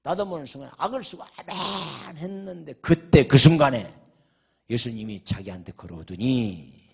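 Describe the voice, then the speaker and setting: An older male pastor preaching a revival sermon, telling a story dramatically, swinging from shouted questions to a hushed murmur. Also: mid-range voice, moderate pace, gravelly, breathy edge.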